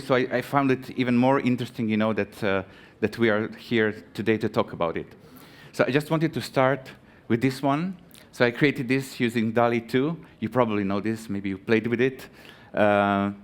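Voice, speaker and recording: A man from Croatia, likely in his thirties, speaks from a conference stage into a microphone. His delivery halts often, full of ums and restarts, but stays friendly and chatty with the audience. His voice sits at an ordinary, mid-range pitch. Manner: halting, lots of fillers and restarts. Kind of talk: live conference talk.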